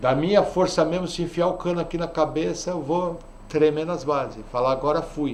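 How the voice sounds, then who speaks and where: Heard with audible room echo, a man talks at a moderate pace and fairly high pitch, his intonation fairly even. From Brazil, São Paulo. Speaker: pastor. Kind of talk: sermon / Bible study. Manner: conversational.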